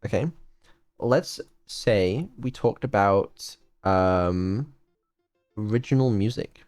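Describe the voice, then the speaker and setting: A man's voice: on the low side, slow pace, a little mellow, no echo, clean studio sound, soft background music. A man, streaming and quizzing his AI in an exasperated, incredulous way. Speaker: streamer and developer. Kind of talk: casual stream chat.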